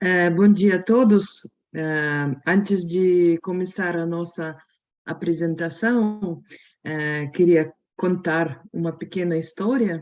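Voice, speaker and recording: A woman with a Russian accent speaks very slowly at a fairly low pitch, her intonation fairly even. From Russia, Magadan. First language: Russian (speaking Portuguese). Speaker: interpreter. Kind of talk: webinar presentation. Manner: halting.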